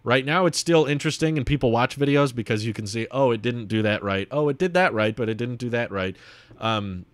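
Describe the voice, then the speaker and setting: A man's voice: medium pitch, a little fast, no room sound. A young man talking casually and thinking aloud as he hosts a stream, reading and answering comments into a close desk microphone. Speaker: video host reading and answering viewer comments. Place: small home room set up as a streaming studio, indoors. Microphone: desk microphone on a boom arm, close.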